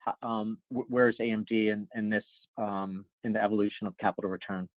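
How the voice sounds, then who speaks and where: A man working as a financial analyst, asking earnings-call questions haltingly and repeating his words. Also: lowish voice, fairly even intonation, dry recording. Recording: tinny, dry phone line.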